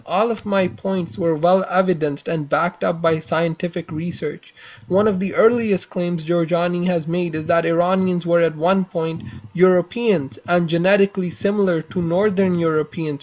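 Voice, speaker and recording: A young man talks in a fairly high voice, with formal, accusatory wording that keeps catching on fillers. The audio is dull and lo-fi. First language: not Persian. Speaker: channel host. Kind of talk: unscripted commentary video.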